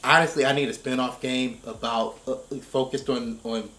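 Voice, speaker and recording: An American man in casual discussion, thinking aloud in a halting, emphatic way and often repeating himself. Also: mid-range voice, steady tone, sharp tone. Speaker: reaction show host. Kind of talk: casual chat, video game story discussion. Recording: roomy, echoing space.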